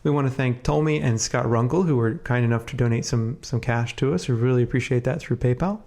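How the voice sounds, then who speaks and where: A man with a cold co-hosts a casual podcast, his voice congested and sniffly. His delivery is relaxed and chatty, full of little fillers as he runs through the show. His voice sits at an ordinary middle pitch. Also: brisk, vocal fry. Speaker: podcast co-host.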